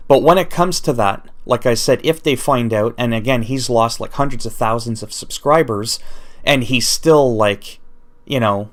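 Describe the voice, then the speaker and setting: A man's voice: mid-range voice, moderate pace. A man whose first language is French, ranting off the cuff in an unscripted vlog commentary and thinking aloud as he goes. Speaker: YouTuber.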